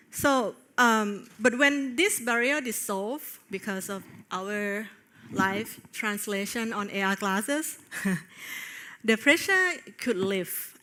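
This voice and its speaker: Female conference presenter, bright forward tone, earnest and hesitant with fillers. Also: medium pitch. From Thailand. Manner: earnest, with frequent filler pauses. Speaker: conference speaker. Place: on stage at a tech conference.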